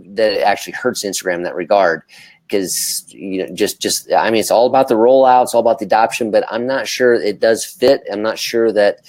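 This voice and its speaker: A man co-hosting and moderating a casual discussion, weighing questions in a measured, deliberating way. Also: on the low side, darkish tone, dry recording. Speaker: talk show co-host and moderator.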